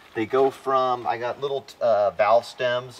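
A man speaks at a very slow pace. Noticeable background noise runs under his voice. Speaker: overlanding vlogger. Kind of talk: casual vlog explanation. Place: open country. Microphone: camera far.

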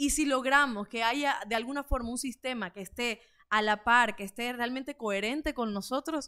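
Here a woman speaks at a high pitch. The recording is very clean, with a silent background. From foreign-born, raised in Ecuador from age 13. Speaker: social communicator, actress and singer. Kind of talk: casual interview conversation.

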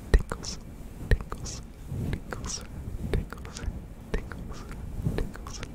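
The speaker is whispering, soft-spoken. The pace is very slow. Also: man. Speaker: ASMR creator. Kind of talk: ASMR whispered trigger words. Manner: soft close-mic ASMR whisper. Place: home room. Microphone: studio mic.

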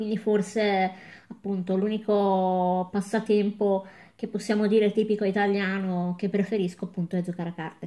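Against a quiet background, a woman speaks at a moderate pace in a dark, mellow tone with monotone, flat intonation. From Italy, Ferrara (Emilia-Romagna); Emilia-Romagna, Italy. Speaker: YouTuber; vlogger. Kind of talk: casual vlog chat. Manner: spontaneous, hesitant. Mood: relaxed, chatty. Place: home room. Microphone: webcam.

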